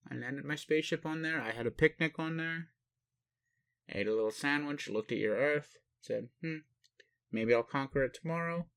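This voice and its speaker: A man playing a gentle, doting blue-skinned alien caretaker in a roleplay audio, rambling playfully and speaking tenderly to the listener. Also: a little high, gravelly. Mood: playful, casual. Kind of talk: soft roleplay monologue to a listener.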